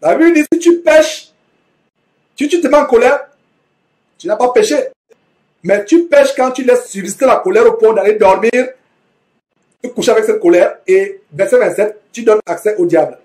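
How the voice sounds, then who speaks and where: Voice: medium pitch, moderate pace, pauses often, a little mellow. A preacher teaching verse by verse from the Bible, reading each passage aloud and then explaining it with repetition and frequent self-corrections.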